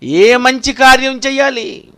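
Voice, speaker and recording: Very high-voiced man preaching a sermon. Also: takes it slowly, a bit bright, clean tone. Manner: repetitive, questioning the listeners directly. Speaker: pastor.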